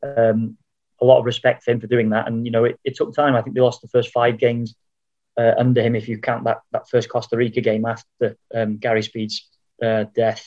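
Monotone, flat intonation marks this fairly quick speech. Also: man, medium pitch for a man. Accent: Welsh. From Wales. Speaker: sports journalist. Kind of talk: casual interview.

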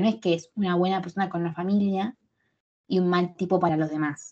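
A woman with a Rioplatense accent. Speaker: podcast co-host. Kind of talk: casual chat. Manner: animated.

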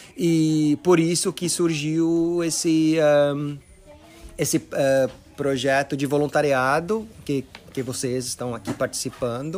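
Over music in the background, a man with a fairly high pitch speaks at a fairly slow pace with ordinary pitch variation. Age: 40s. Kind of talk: personal storytelling. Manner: halting.

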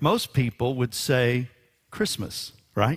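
Very clean recording with a silent background, where a man with a Texan accent speaks at a fairly slow pace and medium pitch. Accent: Texan American. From West Texas. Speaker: pastor. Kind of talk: sermon. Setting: church.

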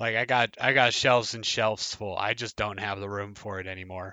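A man speaks at a moderate pace in an unremarkable speaking voice, his pitch fairly low. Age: 30s. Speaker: podcast co-host. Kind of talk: casual chat.

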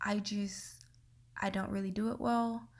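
A woman speaks at a fairly high pitch in a somewhat breathy voice. The recording is very clean, with a silent background. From Jamaica (Kingston). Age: 20s. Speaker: podcaster, college student. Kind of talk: casual monologue. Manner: animated.

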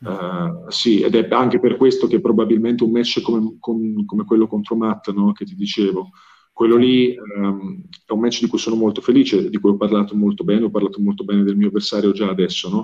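At a fairly quick pace, a man talks in a medium pitch with ordinary variation and a dark, mellow tone. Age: young. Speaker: professional wrestler. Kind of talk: interview.

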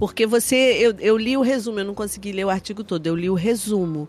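A woman speaks in a normal speaking voice at a medium pitch. Her intonation is lively. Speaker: podcast host. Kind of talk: casual interview chat.

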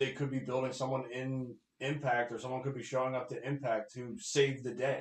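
A somewhat breathy male voice with an American accent, fairly quick in pace and monotone, flat in intonation. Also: medium pitch for a man. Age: 30s. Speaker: wrestling podcast host. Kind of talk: casual chat.

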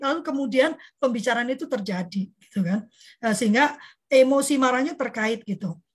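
A woman speaks loudly at a fairly quick pace. Her high voice moves through very wide pitch swings. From Surabaya, East Java, Indonesia. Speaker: parenting community host and speaker. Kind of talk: online talk on communication with Q&A. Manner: loud, direct.

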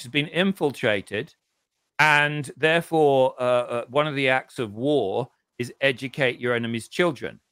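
A man with a southern English accent and a bright, sharp tone, at a moderate pace with ordinary pitch variation, in a dry, close sound with no echo. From southern England. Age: 50s. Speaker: osteopath and health author. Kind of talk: casual interview. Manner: animated.

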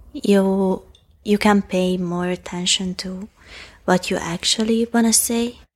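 A woman's medium-pitched voice with a Hungarian accent, fairly slow and fairly even in intonation, on a very clean recording with a silent background. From Hungary. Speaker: art student. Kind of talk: interview conversation. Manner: halting.

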